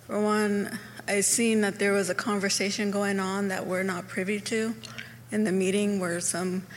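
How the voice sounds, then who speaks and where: A woman's voice: mid-range voice, a little hiss or hum. A woman who grew up in Hoopa, Northern California, speaking earnestly and bluntly as a tribal member during public comment at a meeting. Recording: reverberant meeting hall.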